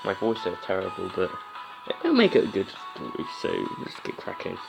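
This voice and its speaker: A man's voice: deep voice, huge pitch swings, normal speed, creaky, low-quality recording. A man hosting a let's play, chatting casually and reading a visual novel aloud. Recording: music behind the voice. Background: music.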